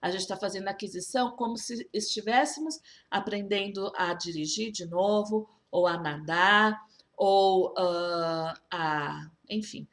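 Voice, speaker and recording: A woman's voice: mid-range voice, a little slow, fairly bright tone. A woman teaching English, explaining to viewers in a chatty way, often restarting and asking them questions. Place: school's own video channel.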